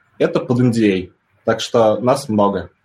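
An ordinary speaking voice. The rise and fall of pitch is ordinary. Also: man. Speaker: iOS developer. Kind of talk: casual chat.

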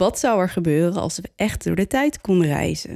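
A woman's dark, mellow voice, dry and close with no echo. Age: 30s. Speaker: podcast host. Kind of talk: scripted narration; casual chat.

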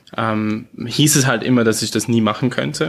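Fairly even intonation in a plain, everyday voice, at a moderate pace. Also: man. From Canada, near Toronto. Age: 30s. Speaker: pilot, former firefighter. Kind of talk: casual chat.

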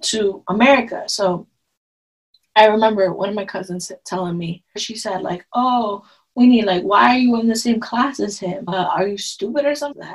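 A woman with a Chinese accent talks at a moderate pace in a somewhat breathy voice. Her pitch is fairly high, with ordinary variation. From New York City. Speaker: podcast host. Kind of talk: casual storytime monologue.

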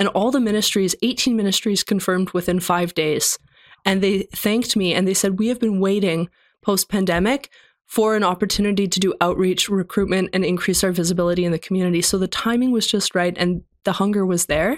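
A woman with a Canadian accent speaks at medium pitch and a very fast pace, with fairly even intonation and very even loudness. The recording is very clean with a silent background and a dry, close sound with no echo. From Canada. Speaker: pro-life advocate. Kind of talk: interview. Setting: studio.

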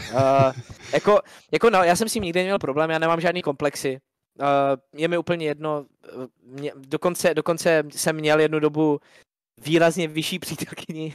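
A man with an unremarkable speaking voice talks at a moderate pace in a fairly high pitch with fairly even intonation, in a dry, close sound with no echo on a very clean recording with a silent background. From Czech Republic. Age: 20s. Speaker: esports commentator. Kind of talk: casual chat.

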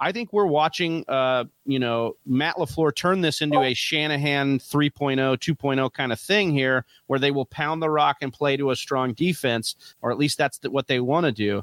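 A man with a plain, everyday voice, fairly high in pitch with ordinary variation, at a moderate pace in a dry, close sound with no echo. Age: 30s. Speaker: fantasy football podcast co-host. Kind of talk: casual chat.

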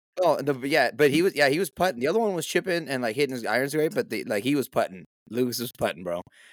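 A man talks at a very fast pace with a fairly high pitch, vocal fry and very wide pitch swings. The sound is dry and close, with no echo. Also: very clean recording, silent background. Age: 30s. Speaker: podcast co-host. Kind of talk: casual chat.

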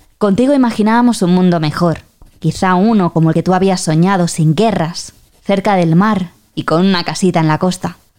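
An ordinary speaking voice moves at a moderate pace, with very even loudness and ordinary pitch variation. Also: woman, medium pitch for a woman. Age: 40s. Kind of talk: reading a personal letter.

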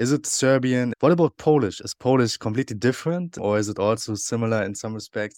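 A man with a German accent talks at a very fast pace with hardly any pauses, his pitch medium. The sound is dry and close with no echo. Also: ordinary pitch variation, very clean recording, silent background. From Germany. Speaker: podcast host. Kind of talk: interview.

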